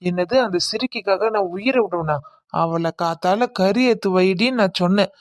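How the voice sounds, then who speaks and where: A woman voicing a loud drunk village husband who blusters and threatens with slurred swagger. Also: medium pitch, moderate pace, dry recording, studio quality, lightly acted. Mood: drunk angry. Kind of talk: cartoon comedy voice acting.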